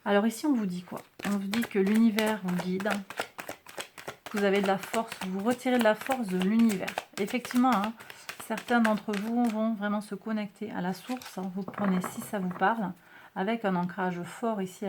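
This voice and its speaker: A woman's voice: medium pitch, steady tone, normal speed, noisy background. A woman reading tarot cards and astrology for her viewers in a casual, reassuring way, often tagging her sentences with little checks to her audience. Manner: chatty, reassuring, peppered with "hein" and "d'accord"; addresses viewers directly as a group. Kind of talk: casual card-reading monthly forecast.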